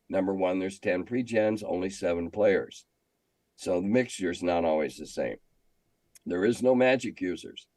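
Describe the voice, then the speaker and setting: Older man, low-voiced talkative storyteller. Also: a little mellow, no echo. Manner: talkative, salty raconteur with dry humor. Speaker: guest, veteran game master. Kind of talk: casual storytelling interview.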